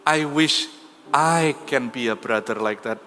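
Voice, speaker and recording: A man's voice: medium pitch, takes it slowly, a little hiss or hum. A man voicing a kind, polite young boy who talks eagerly and earnestly. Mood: wondering. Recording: reverberant church hall with soft music.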